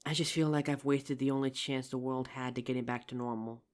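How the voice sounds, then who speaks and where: A performer playing a regretful, tender zombie apocalypse survivor in an intimate audio roleplay, speaking earnestly with hesitant pauses. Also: mid-range voice, steady tone, natural voice. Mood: apologetic, regretful. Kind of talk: ASMR audio roleplay, intimate scripted drama.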